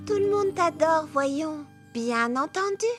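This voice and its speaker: Supportive young cartoon girl, very high voice, gentle, reassuring, faint music behind. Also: lively intonation, slow pace. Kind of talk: French cartoon dub acting.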